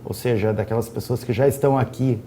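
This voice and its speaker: A man's voice: medium pitch, steady tone, quick pace, warm tone, slight background noise. A man speaking as a tourism director guest on a studio talk show, fluently listing regional events and attractions. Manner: promotional, fluent, listing facts.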